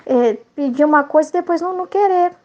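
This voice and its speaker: Earnest high-voiced Brazilian woman. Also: quick pace, darkish tone. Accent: Brazilian Portuguese. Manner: earnest, rambling, frequent tag questions. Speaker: Catholic lay study leader. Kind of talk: devotional reflection.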